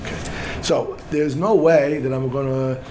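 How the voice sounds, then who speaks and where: A man's voice: mid-range voice, fairly even intonation, unhurried, noisy background. A middle-aged man teaching a class on Jewish law as a rabbi, discursive and full of Hebrew legal terms, often restarting his sentences. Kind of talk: lecture on Jewish law with audience questions.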